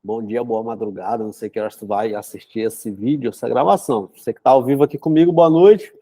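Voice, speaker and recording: A man's voice: medium pitch, quick pace, dark tone, dry recording. A young man, congested with a cold, hosting a book club in a chatty, casual way and often adding "né?". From São Luís, Brazil. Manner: chatty, filler-heavy, frequent "né?". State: congested with a cold, runny nose. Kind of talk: casual live-stream talk and reading aloud.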